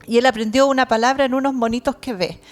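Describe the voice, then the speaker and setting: Animated Chilean woman preaching. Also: fairly high pitch, fast talker. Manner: earnest, peppered with amen and cierto; animated storytelling, shouting out imitations. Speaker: pastor. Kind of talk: sermon.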